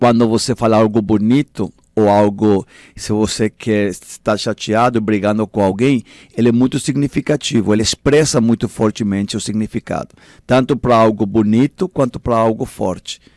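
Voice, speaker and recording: Using a Spanish accent, a man speaks at a moderate pace and medium pitch with fairly even intonation, the sound dry and close with no echo. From Paraguay, Asunción. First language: Spanish and Guarani (speaking Portuguese). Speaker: professor. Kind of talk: casual chat.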